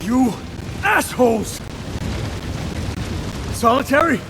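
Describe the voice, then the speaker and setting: An actor playing a menacing, boastful convict gang boss in a video game, speaking theatrically between hissed threats and bellowing. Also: male voice, very high voice, big pitch swings, slow pace, full character voice. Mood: enraged. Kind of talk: video game cutscene acting.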